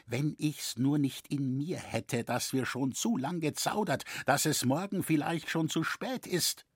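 A frantic old woodcarver, as a male reader puts him on, pleading with rising unease. His voice climbs above the reader's own and sounds slightly husky. It is dry and close, like a storybook reading. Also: fairly high pitch, measured pace, dry recording, voice pushed up. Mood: uneasy. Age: older. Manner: pleading, agitated.

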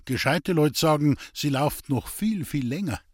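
A man voicing a patient, fatherly village priest in Bavarian dialect, in an audiobook, with a husky voice. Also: on the high side, animated, unhurried, darkish tone, no echo, studio quality, pitched above the performer's own voice. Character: kindly, gently teasing older village priest.

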